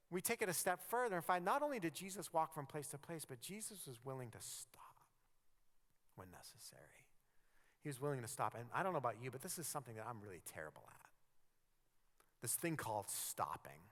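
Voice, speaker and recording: A man preaching a sermon as pastor, conversational and animated, sometimes dropping to a near-whisper for emphasis. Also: a little high. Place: church sanctuary. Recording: long reverb of a church hall.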